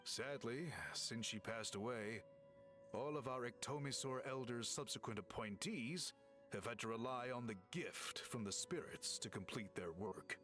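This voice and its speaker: An actor playing a courteous, earnest tribal artisan in a video game, explaining things in a measured, polite way. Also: male voice, mid-range voice, a bit bright, soft background music, close to an everyday voice. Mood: regretful. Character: courteous male tribal artisan, earnest, appreciative scholar of craft.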